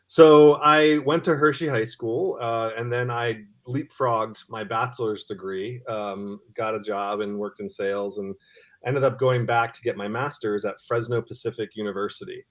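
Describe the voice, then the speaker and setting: A man's voice: medium pitch, fairly even intonation, normal speed. A man in his thirties from Cameroon, a nonprofit CEO speaking as a guest in a casual interview, with an eager, earnest manner. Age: 30s.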